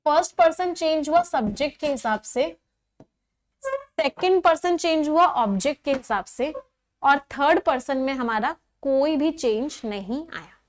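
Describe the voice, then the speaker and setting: High-voiced woman teaching grammar. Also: animated, measured pace. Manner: explains step by step, repeats key points, asks the class questions. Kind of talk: classroom grammar lesson.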